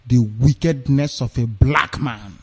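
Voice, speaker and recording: A man's voice: mid-range voice, takes it slowly, slightly rough, in a large hall. A man with a Nigerian accent on a radio broadcast. He reads news items aloud and breaks off into scornful, mocking commentary full of rhetorical questions.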